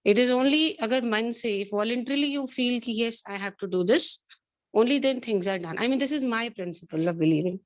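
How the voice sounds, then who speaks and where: A woman with a South Asian accent and a slightly high voice speaks as a teacher to her class. She is earnest and maternal as she admonishes, often repeating her points and mixing Hindi phrases into her English. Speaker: biology teacher addressing an online or classroom class. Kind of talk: lecturing and counselling students.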